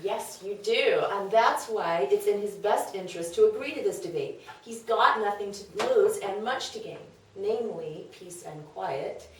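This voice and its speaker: A woman's voice: mid-range voice, normal speed, hardly any pauses, a little hiss or hum, close to an everyday voice. Woman playing pushy worldly gal pal talking someone into stuff, comedy read, really echoey and off mic. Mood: reassuring. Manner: persuasive, knowing, emphatic. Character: scheming, worldly, brash female confidante of a wife. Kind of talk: comedic play table read. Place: echoey room, away from mic. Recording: very echoey room, distant mic.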